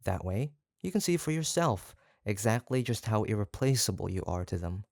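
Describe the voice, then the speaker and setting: An actor playing an obsessive, doting yandere kidnapper in a roleplay audio drama, halting and coaxing, tender yet menacing. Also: medium pitch, big pitch swings, vocal fry, darkish tone, dry recording, studio quality. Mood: earnest, scheming. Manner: halting, gushing, coaxing, with nervous stammers. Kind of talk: roleplay audio drama, intimate one-sided monologue.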